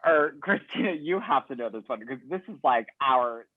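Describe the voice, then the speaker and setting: A woman's voice: extremely low pitch, lively intonation, normal speed, phone-quality sound, a loud crowd. A woman talking casually as a contestant in a group quiz game. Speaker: podcast cast member, quiz contestant.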